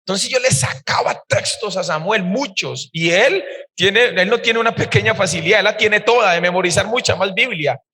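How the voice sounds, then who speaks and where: A male pastor tells his own testimony in a sermon, in an animated, emphatic storytelling manner. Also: high voice, normal speed, husky. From Costa Rica. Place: church service hall. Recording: reverberant church hall.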